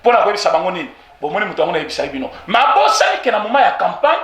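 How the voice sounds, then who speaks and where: A Congolese man with a Congolese French accent, giving an animated political opinion that mixes French with Lingala and repeats points for emphasis. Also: high voice, racing, echoey room. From Congo (DRC). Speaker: political commentator. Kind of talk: heated political street interview.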